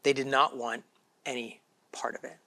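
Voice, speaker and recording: A man's voice: mid-range voice, steady tone, normal speed, vocal fry, bright, forceful tone. A young adult male pastor giving a conversational sermon, acting out quoted lines and laughing now and then.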